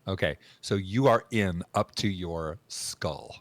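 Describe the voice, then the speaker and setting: Deep-voiced man running a tabletop game. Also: takes it slowly, no room sound. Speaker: game master. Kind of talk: casual tabletop game session.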